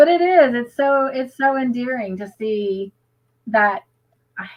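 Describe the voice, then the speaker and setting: A woman's high-pitched voice with a Southern US accent, fairly slow pace, lively intonation and big swings in loudness. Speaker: crochet live-stream co-host. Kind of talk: casual chat. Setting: live stream.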